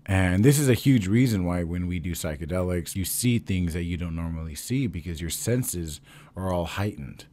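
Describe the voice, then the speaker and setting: A man's voice: low voice, animated, moderate pace, dark tone. A man vlogging casually to camera, rambling and swearing freely.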